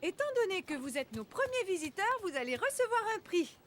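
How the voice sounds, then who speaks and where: A woman's voice: extremely high pitch, sing-song, a little fast, loud music behind the voice. A woman playing an announcer who presents a prize to visitors in a children's cartoon. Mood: announcing.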